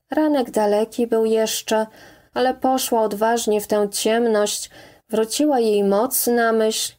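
A woman narrating an audiobook in a measured, calm reading. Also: fairly high pitch. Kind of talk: scripted narration.

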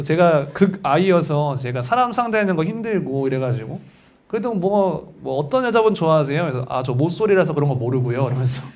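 A man's voice: on the high side, a little mellow. A young man teaching an exam prep lecture in a chatty storytelling way, acting out the voices of people in his anecdotes.

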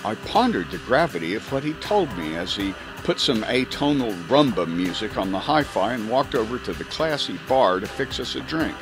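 A man's voice: medium pitch, big pitch swings, moderate pace, few pauses, over music, rough recording. A man reading a spy story audiobook in a theatrical, emphatic first-person narration. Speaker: audiobook reader.

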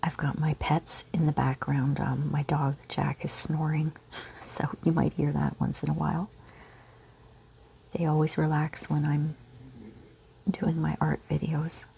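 A woman teaching a relaxed real-time painting lesson at home, speaking softly and often half-whispering. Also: low-pitched, measured pace, creaky, pauses often, slight background noise. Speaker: art teacher. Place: home studio with pets nearby.

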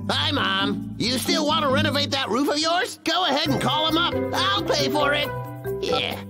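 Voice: sits high, moderate pace. An actor playing a greedy, poor cartoon lumberjack, histrionic, whining and gloating by turns. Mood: hopeful, eager. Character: excitable, greedy, poor male lumberjack named Vic. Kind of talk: exaggerated cartoon dub acting. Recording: loud cartoon music behind.

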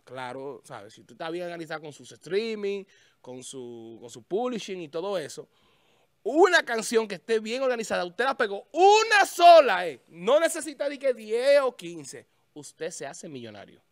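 In a small studio with a festive desk, a male show host makes casual on-air chat, speaking high in his range into a stand mic with big pitch swings at normal speed. He searches a website while talking, thinking aloud and restarting phrases. The sound is dry and close, with no room sound.

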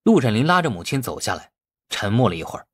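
A man's voice: on the low side, big pitch swings, quick pace, fairly bright tone, husky, no room sound. A man reading a novel aloud as scripted, dramatic audiobook narration.

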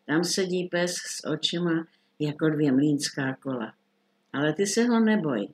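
A woman's voice: deep voice, lively intonation, a little mellow. Woman putting on an old coaxing witch. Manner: coaxing, then curt. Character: old scheming witch, curt and secretive.

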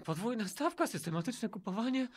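Woman as a haughty schemer, high and swooping. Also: very animated, fairly quick, slight background noise. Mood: calculating. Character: calculating, haughty male rival bar owner. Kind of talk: improvised children's radio play.

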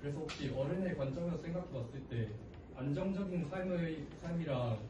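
A man's voice: on the high side, a little fast, muffled recording. A young man from Gyeonggi, a student putting a hesitant question to a lecturer. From Gyeonggi, South Korea. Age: young adult. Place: large classroom. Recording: echoey classroom, distant and noisy.

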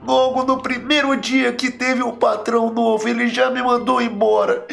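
A young man voicing a gloomy, lost father who was just fired, speaking low and downcast. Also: level tone, moderate pace, gravelly, over music, heavily acted. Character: fired bar worker dad, gloomy and lost. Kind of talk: Roblox story role-play.

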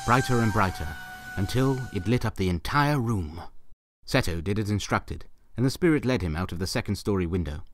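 A man narrating a scripted story in a theatrical, wry manner with ornate phrasing. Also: fairly low pitch.

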